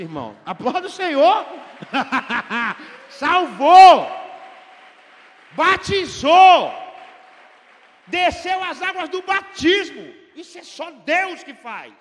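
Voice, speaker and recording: A man from Brazil preaching a fervent sermon as pastor, swinging from hushed storytelling to shouting. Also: sits high. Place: church hall with long reverb. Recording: reverberant church hall.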